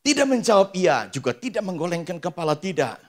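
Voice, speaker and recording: A man preaching as a pastor in a church service. He tells a story with lively dialogue, moving between hushed asides and loud bursts. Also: sits high, brisk. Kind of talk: storytelling sermon.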